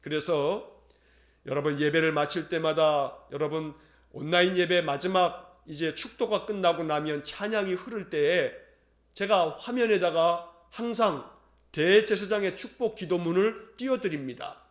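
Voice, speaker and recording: A man pastor preaching a sermon in an earnest, solemn way, with slow and tender quoted words. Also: a little high, echoey room.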